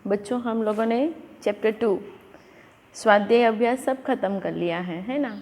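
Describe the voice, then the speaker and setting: A woman's voice: mid-range voice, moderate pace, darkish tone. A woman teaching a school lesson to children, explaining patiently and mixing Hindi with English words. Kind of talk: classroom lesson. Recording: long echoing reverb.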